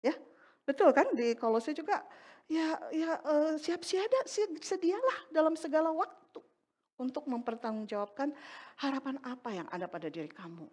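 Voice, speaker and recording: A middle-aged woman delivers a sermon in church. Her voice sits a little higher than most. She tells her story with animation and acts out the dialogue in it. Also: big pitch swings, normal speed, a little mellow. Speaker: preacher. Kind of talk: sermon with personal testimony.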